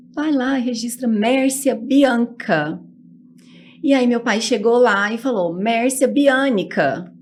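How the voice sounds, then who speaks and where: A woman talks very slowly, her pitch fairly high and her intonation lively. Vocal fry runs through her voice. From Goiás, Brazil (Goiânia). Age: 40s. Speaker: podcast guest. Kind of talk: personal testimony interview. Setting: studio.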